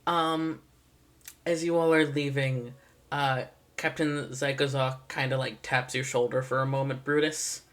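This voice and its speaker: A dungeon master narrating a tabletop game, laughing often and filling pauses with uh and um. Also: medium pitch, steady tone, a bit bright. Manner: laughing often, many fillers.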